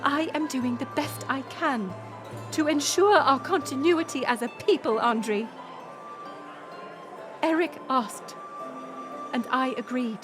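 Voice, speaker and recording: In a dramatic audio roleplay, a woman voices a proud, weary middle-aged queen mother, formal, commanding, and defensive in mood. Her high voice moves slowly with long pauses, while music and the murmur of a banquet crowd play behind her.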